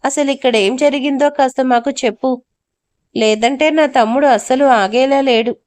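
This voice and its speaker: A steady, protective older brother, put on by a woman narrator, who keeps his younger brother in check with firm, scolding words. He mixes Hindi into his talk and the voice runs slightly high. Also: moderate pace, lightly acted.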